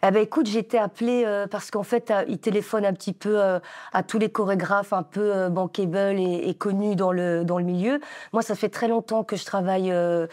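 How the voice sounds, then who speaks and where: A woman's voice: medium pitch, steady tone, brisk, darkish tone. A woman in her forties, a dance teacher, answering interview questions enthusiastically with many hesitations and fillers. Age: 40s.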